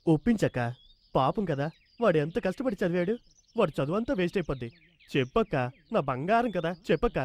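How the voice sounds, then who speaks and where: An actor playing a cheeky, wisecracking middle-aged uncle in a film comedy scene, teasing his family in rapid banter. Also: high-pitched, lively intonation, darkish tone. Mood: pleading. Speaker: comic maternal uncle in a film.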